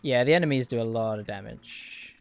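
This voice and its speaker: A man with a mid-pitched voice chats casually while speedrunning a game on stream. He rambles drily and swears, with music playing faintly behind him. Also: a little fast, gravelly. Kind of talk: casual livestream gaming commentary.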